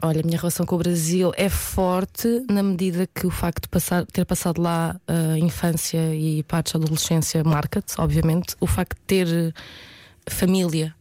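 A woman in her thirties with a European Portuguese accent, an actress answering interview questions in a thoughtful, hesitant way with many pauses and fillers. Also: lowish voice, flat delivery, mellow, no echo. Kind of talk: reflective casual interview talk.

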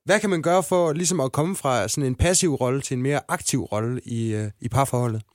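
A man's voice: medium pitch, no room sound, clean studio sound. Hesitant male interviewer. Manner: hesitant, repeating words at starts. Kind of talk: asking interview questions.

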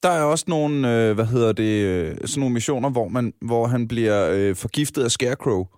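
A man's voice: medium pitch, expressive, a little mellow, dry recording, clean studio sound. A man co-hosting a casual podcast about video games, talking in a hesitant way with many restarts. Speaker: podcast co-host.

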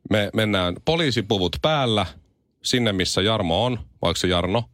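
A man's voice: a bit bright, no echo, studio quality. A man hosting a radio morning show, joking with his co-hosts and spinning out silly ideas. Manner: playful, pitches silly ideas at length. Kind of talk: joking studio banter.

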